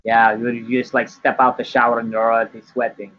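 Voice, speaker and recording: A man playing a laid-back, crude vampire cat count in an improvised comedy interview, rambling in deadpan slang. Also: mid-range voice, a little fast, crowd noise, lightly acted. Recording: tinny phone-like line with noise.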